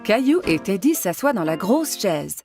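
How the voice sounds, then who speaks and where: A woman's voice: medium pitch, big pitch swings, normal speed, darkish tone, faint music behind. A woman narrating a scripted story for children.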